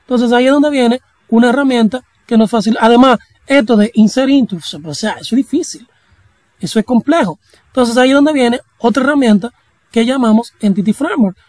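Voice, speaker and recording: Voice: medium pitch, a little fast, a little mellow, no echo, rough recording. A young adult programming instructor, talking through a coding tutorial in a casual, chatty way with slang and joking asides. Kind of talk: screen-recorded coding tutorial.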